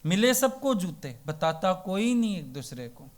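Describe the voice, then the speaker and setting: A man's voice: high voice, big pitch swings, measured pace. A man giving a devotional sermon as a spiritual teacher. He tells folksy parables and keeps asking rhetorical questions. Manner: folksy and plain-spoken.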